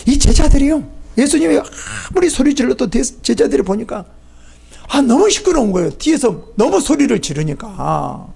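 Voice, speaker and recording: A man preaching a sermon as a pastor, animated and acting out the voices of people in the story. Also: extremely high pitch, moderate pace, creaky, slightly rough.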